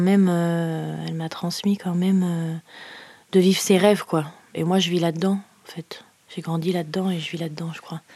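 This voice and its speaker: A woman speaks at a moderate pace in a fairly low pitch. Her tone is dark and mellow, her intonation monotone and flat. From France, Corrèze. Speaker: horse keeper and animal communicator. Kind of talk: casual chat. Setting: at home.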